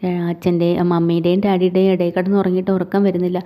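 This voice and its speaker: Woman rattling thru a tv serial recap, super quick, pretty monotone. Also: on the low side, muffled recording. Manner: rapid run-on retelling with tag fillers. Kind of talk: casual plot retelling.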